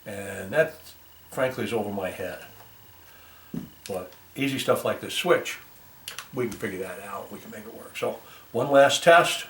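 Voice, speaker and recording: A man giving a casual hands-on repair demonstration as a volunteer technician, talking haltingly and thinking aloud as he works. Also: fairly low pitch, expressive. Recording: roomy, noisy, distant microphone.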